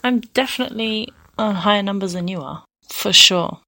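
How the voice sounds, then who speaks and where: Coy woman with a gravelly voice. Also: mid-range voice, normal speed, pushed and bright. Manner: coy, laughing. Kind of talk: casual flirty banter.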